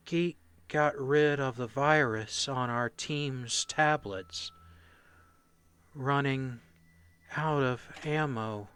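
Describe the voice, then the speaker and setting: A male actor as a drugged, shaken soldier in a radio drama. He speaks extremely slowly in broken fragments, with a smooth, clean tone, haunted by what he survived. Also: medium pitch, a bit bright. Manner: halting, fragmented, dazed. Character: traumatised, drugged soldier, lone survivor recounting horror. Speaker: corporal under interrogation. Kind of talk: radio play acting.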